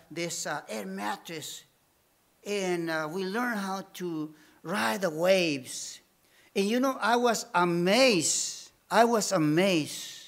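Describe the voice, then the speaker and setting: Slow, high-voiced preacher. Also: male voice, a bit bright. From Bolivia. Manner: slow, emphatic preaching with repeated phrases. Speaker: missionary preacher. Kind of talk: sermon.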